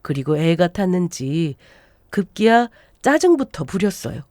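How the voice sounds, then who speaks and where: A woman in her forties reads a first-person story aloud, her pitch rising and falling with animated, expressive turns. Her tone is mellow and darkish, and the sound is close and dry, with no room around it. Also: a little slow, no room sound. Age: 40s. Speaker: narrator. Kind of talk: scripted story narration.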